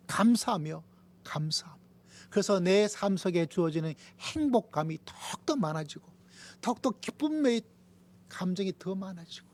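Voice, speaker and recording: A man preaches as pastor in a church sanctuary, his voice sitting a little high for a man. He drives his points home with repeated lists. He sinks into near-whispers before rising again. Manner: emphatic preaching, swinging from raised lines to hushed whispers. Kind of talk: sermon.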